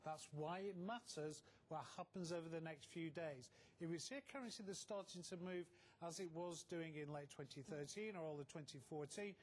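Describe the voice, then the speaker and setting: A man speaking as a market analyst in a live news interview, explaining in a measured way and repeating words for emphasis. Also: fairly high pitch.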